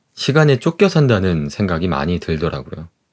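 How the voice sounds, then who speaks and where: A calm man with a very deep, low voice at a fairly slow pace. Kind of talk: casual talk to listeners. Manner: soft-spoken, calm.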